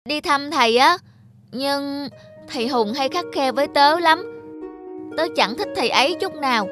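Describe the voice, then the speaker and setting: A woman's voice: high voice, normal speed, over music, close to an everyday voice. A woman voicing a forgetful, reluctant little schoolboy in a children's cartoon, with a boyish, grumbling manner.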